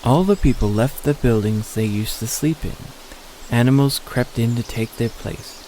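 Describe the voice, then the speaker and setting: A man's voice: medium pitch, moderate pace, warm tone, slight background noise, low-quality recording. A man reading a scripted story as the narrator of an audio drama. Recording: faint outdoor nature ambience.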